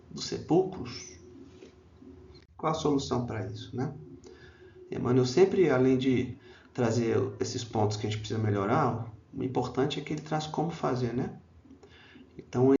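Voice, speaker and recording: A Brazilian man gives a spiritist public talk with a slightly gravelly, mid-pitched voice. He speaks in a conversational way, often tags lines with "né?", and acts out the people he quotes. The recording is echoey and dull, as if captured in a lecture hall. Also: darkish tone, slight background noise. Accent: Brazilian Portuguese.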